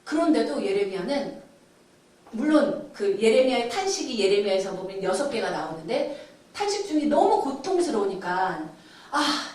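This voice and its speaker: Female Bible teacher, fairly high, lively voice; dramatizes quoted laments; distant mic, heavy room echo. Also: normal speed. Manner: acts out quoted laments with sighs. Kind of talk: Bible study lecture. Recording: very echoey room, mic far off.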